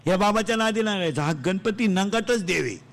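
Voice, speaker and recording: A man preaching a comic devotional sermon to a live audience. He quizzes the crowd in quick call-and-response and tells rustic, teasing jokes. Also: high-pitched, vocal fry, a bit bright. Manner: joking, teasing, rustic storytelling. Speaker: kirtan preacher. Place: live religious gathering before an audience.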